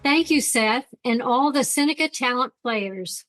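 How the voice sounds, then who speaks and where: A woman with a fairly high voice hosts an interview show. She talks in a conversational way, addressing her guests and her listeners directly. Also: lively intonation, unhurried, a bit bright, soft background music. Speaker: show host.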